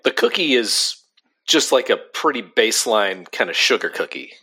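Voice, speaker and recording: A man's voice: medium pitch, animated, moderate pace, pushed and bright, breathy edge. A young adult man co-hosting a casual podcast chat, talking loosely with lots of fillers and easy laughs. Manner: chatty, laughs easily, frequent "like" fillers. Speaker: podcast co-host.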